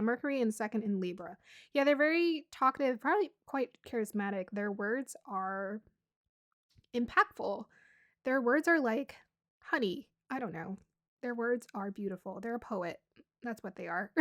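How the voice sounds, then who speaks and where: Bubbly woman reading tarot, slightly hoarse. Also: a little high, dry recording, clean studio sound. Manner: chatty, bubbly, laughs often, trails off and restarts. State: losing her voice. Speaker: tarot reader. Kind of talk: casual tarot reading to camera.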